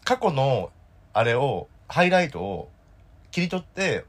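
A man in his thirties with a hoarse throat, co-hosting a casual podcast chat in a playful, jokey way. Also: medium pitch, big pitch swings, a little slow. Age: 30s. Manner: playful, jokey, drifts into bits. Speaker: podcast co-host.

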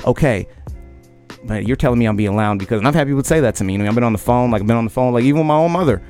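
A man in his late twenties, talking loudly and emphatically on a podcast and often asking "you know what I mean?". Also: mid-range voice, animated, racing, smooth, soft background music. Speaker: podcast host. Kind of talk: casual conversation.

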